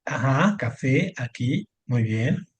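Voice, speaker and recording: A man's voice: mid-range voice, lively intonation, takes it slowly, breathy edge. A man teaching a spelling lesson online, patient and encouraging, with many fillers as he corrects a student. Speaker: Spanish teacher. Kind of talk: online tutoring lesson over screen share.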